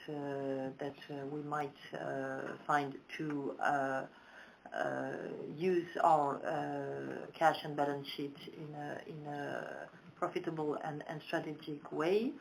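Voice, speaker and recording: A woman executive answering questions on a financial conference call, halting and hesitant with frequent pauses. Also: low-pitched, a little hiss or hum, low-quality recording. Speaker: company executive.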